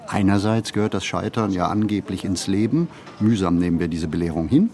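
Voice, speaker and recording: A man playing a pensive city wanderer in a radio play, narrating a literary monologue with deliberate, measured phrasing and pauses. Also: low voice, darkish tone. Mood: musing. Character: pensive male city wanderer musing on modern life. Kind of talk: scripted literary monologue, reflective first-person narration.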